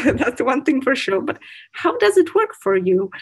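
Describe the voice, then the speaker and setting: Very wide pitch swings at a moderate pace, with a Polish accent. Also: woman. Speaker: podcast host. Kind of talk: interview.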